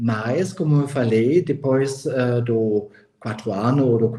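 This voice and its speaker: At a very slow pace, a man with a German accent speaks at medium pitch with ordinary pitch variation. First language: German (speaking Portuguese). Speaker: school coordinator, educator. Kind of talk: interview. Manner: halting, many fillers.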